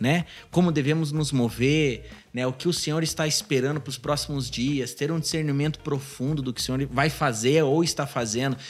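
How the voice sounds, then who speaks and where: Here is a man with a normal speaking voice and fairly high pitch. He talks at a moderate pace with fairly even intonation. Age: 30s. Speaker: pastor and podcast host. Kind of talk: casual chat. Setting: studio.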